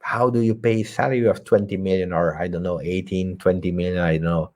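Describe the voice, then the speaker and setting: A man's voice: deep voice, steady tone, fairly quick, darkish tone. A man hosting a live post-match football reaction stream, talking emphatically and reading viewer comments aloud. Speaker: football channel host.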